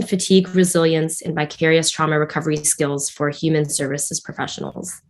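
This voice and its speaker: A woman host reading a guest introduction in a measured way, with small slips. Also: low voice.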